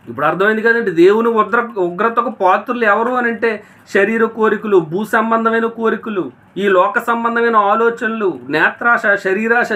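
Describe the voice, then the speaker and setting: High, bright-voiced man preaching. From India. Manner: rhetorical questions, addresses listeners directly. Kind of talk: sermon.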